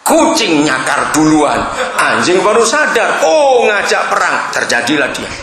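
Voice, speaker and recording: Man, preacher, lively swooping delivery, humorous sermon storytelling, echoey room. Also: a little high, a little slow, a crowd in the background. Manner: humorous storytelling, addresses listeners directly. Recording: roomy echoing hall.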